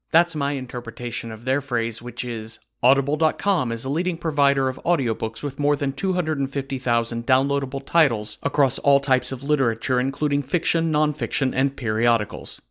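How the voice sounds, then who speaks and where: A man reading a podcast sponsor message in a conversational, informal way, with playful deadpan humor. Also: medium pitch.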